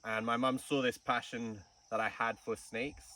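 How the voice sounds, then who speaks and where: Male guest from Kenya, relaxed storyteller, interview recorded at a distance outdoors. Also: medium pitch, normal speed. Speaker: snake farm curator. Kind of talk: casual interview. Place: outdoors in the bush. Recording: distant mic with faint insect noise.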